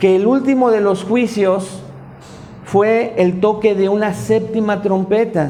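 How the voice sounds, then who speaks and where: A man talks at a high pitch with fairly even intonation. Noticeable background noise and audible room echo fill the recording. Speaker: pastor. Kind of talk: sermon. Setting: church.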